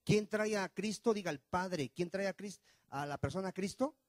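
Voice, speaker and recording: Questioning pastor with a high voice. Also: male voice, dry recording. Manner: asks the congregation rapid questions, swings loud and soft. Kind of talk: sermon. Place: church.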